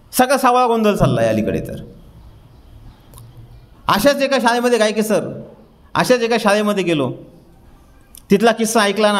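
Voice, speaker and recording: Storytelling man giving a humorous lecture. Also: sits high. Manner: storytelling, mimics characters by dropping his voice. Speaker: guest speaker. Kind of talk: humorous public lecture with anecdotes. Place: library hall.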